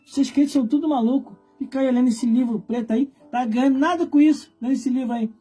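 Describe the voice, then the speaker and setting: Brief: a preacher doing a scoffing old man with a Brazilian accent, low drawling cackle, faint music under it. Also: dark tone, slightly rough. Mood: scornful. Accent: Brazilian Portuguese. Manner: deep, slow, cackling drawl. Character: mocking older man, scornful, sneering at believers.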